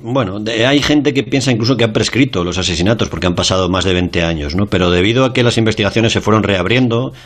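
A man's voice: fairly low pitch, fast, few pauses. A man in a radio discussion, explaining a case with frequent fillers.

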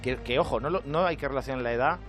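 Man, Spanish accent, radio comedian, fast talker, animated, jokey, faint background music. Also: mid-range voice. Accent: Spanish from Spain. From Spain. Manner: animated, jokey, acts out quoted voices. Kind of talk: comic radio monologue. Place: radio studio.

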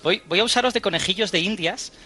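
Bright, lively man explaining science. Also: high voice, fast talker, breathy edge. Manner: energetic, explanatory, quizzing the hosts. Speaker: science guest.

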